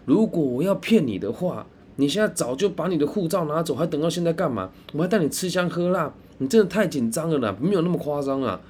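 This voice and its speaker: A man's voice: on the high side, animated, quick pace, few pauses, darkish tone, a little hiss or hum, pitched above the performer's own voice, natural voice. A man doing an insistent coaxing friend. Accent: Taiwanese Mandarin. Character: persuasive male friend, insistent and reassuring.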